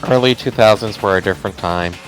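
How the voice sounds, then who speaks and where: A man's voice: on the low side, fast talker, soft background music, rough recording. A man talking and reading casually in a group game playthrough. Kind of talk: casual live-stream chat and reading aloud.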